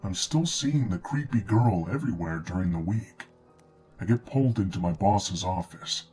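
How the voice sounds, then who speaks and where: A man reading a scripted first-person horror story in a measured, understated way, as a narrator. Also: low voice, animated, mellow, slightly rough, low-quality recording. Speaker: narrator of true scary stories. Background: background music.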